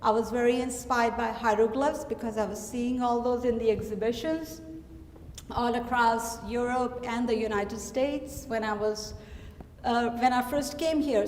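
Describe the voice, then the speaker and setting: Middle-aged Pakistani-accented woman artist, reflective, many fillers, rather high voice, long hall reverb. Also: a little mellow, a little hiss or hum. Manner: reflective, halting with frequent fillers. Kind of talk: gallery talk. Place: gallery hall. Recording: echoey gallery hall.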